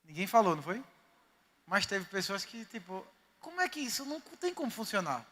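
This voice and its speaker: Male pastor, Northeastern Brazilian accent, very high bright voice, emphatic storytelling sermon, long hall reverb. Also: big pitch swings, fairly quick. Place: church sanctuary.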